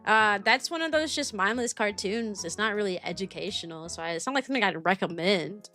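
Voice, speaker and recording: A woman's voice: medium pitch, animated, a little fast, sharp tone. A woman livestream host chatting casually in a rambling way, repeating phrases for emphasis. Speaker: kindergarten teacher. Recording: music playing behind the voice. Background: background music.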